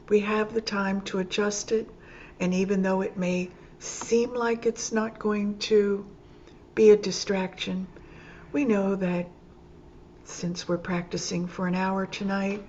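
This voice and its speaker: Woman doing guided yoga nidra, really slow n calm, kinda low voice, muffled recording w noise behind her. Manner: calm, slow, gentle, pausing between short phrases. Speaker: yoga nidra meditation teacher. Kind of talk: guided meditation. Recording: dull lo-fi sound with clear background noise.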